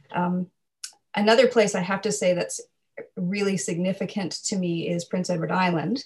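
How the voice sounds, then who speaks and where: With a Canadian accent, a woman speaks in a plain, everyday voice at a moderate pace, her medium pitch following fairly even intonation. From Nova Scotia, Canada (Halifax). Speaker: children's book author. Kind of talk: interview conversation.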